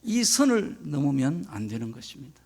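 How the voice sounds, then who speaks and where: A man's voice: on the high side, big pitch swings, moderate pace, vocal fry, darkish tone. An older man, a retired senior pastor, preaching a solemn, emphatic sermon of warning.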